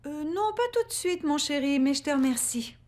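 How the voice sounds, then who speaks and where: A woman playing an affectionate mother in a children's cartoon, gentle and appreciative in manner. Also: high-pitched, lively intonation, normal speed. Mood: gentle, puzzled. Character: affectionate mother of a small boy.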